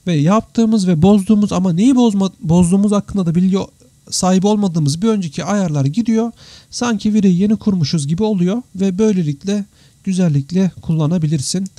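Mellow, very dark-toned man, slightly worn. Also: high-pitched, fairly quick, dry recording, clean studio sound. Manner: chatty, informal, addresses viewers as friends. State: tired, slightly worn voice after three hours of talking. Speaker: live stream host, 3D visualization teacher. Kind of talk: casual live Q&A, reading out and answering viewer comments. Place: indoors, computer live stream with screen share.

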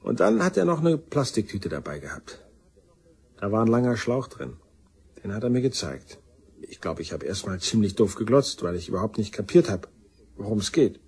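An actor in a German crime radio play, playing a shiftless, boozy black-sheep brother confessing to police in slangy, self-deprecating talk. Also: male voice, fairly low pitch, darkish tone, breathy edge, exaggerated voice.

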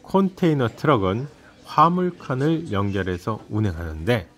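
A man narrating a travel vlog in a calm voice-over with light humor. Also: medium pitch, normal speed.

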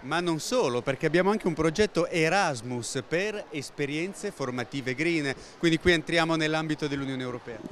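A man's voice: on the high side, normal speed, few pauses, a bit bright, slight background noise. A man interviewing guests at a fair stand, chatty and rhetorical, elaborating at length before posing his questions. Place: indoor exhibition stand at a book fair.

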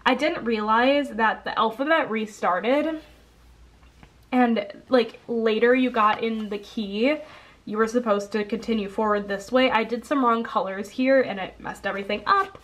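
A young woman with a slightly high voice chats casually through a congested nose. She rambles a bit, dropping ums and correcting herself as she goes. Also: unhurried, fairly bright tone. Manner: chatty, rambling, frequent ums and self-corrections. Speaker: coloring channel host. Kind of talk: casual haul video chat. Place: indoors at a table.

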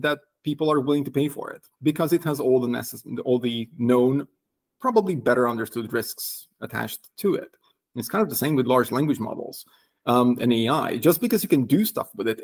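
A man in his forties, a consultant guest on a video call, explaining his views in a measured, thoughtful way. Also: mid-range voice. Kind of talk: interview discussion.

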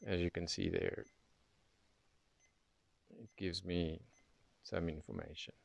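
A man's voice: deep voice, fairly even intonation, slow, gravelly, no room sound. A man presenting an unscripted product demonstration, explaining things methodically, step by step. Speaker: presenter of radio tutorial.

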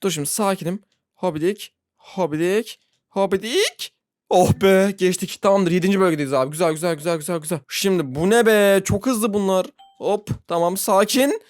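A gaming YouTuber giving excitable Roblox gameplay commentary, talking straight to viewers, self-mocking and frustrated, moving from low muttering to sudden squeals. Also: fairly quick, hardly any pauses, no echo, studio quality. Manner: talks to viewers directly, laughs often.

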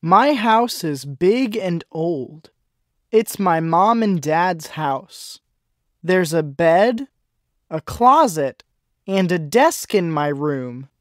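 Man, lively intonation, slow clear lesson reading, dry close mic. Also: a little high, no room sound. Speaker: dialogue reader. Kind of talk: scripted language-lesson dialogue.

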